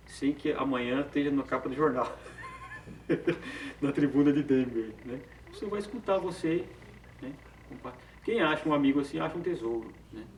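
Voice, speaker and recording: A man's voice: medium pitch, darkish tone. A man leading an informal Bible study, talking conversationally and often tagging on short questions. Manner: conversational, frequent tag questions, self-corrections. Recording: far from the mic in an echoey room with faint background noise.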